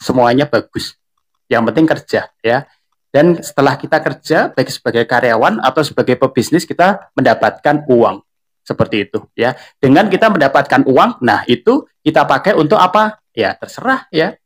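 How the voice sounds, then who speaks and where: A man's voice: mid-range voice, expressive, moderate pace. A young man with a Central Javanese Indonesian accent, an online tutor talking casually on a live stream, chatty and full of fillers. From Central Java. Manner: chatty, filler-heavy, addresses viewers often.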